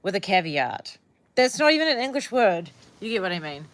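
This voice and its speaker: A woman's voice: medium pitch, sing-song, a little fast, a bit bright. A young woman with a New Zealand accent chatting casually with viewers on a livestream, rambling and often searching for words.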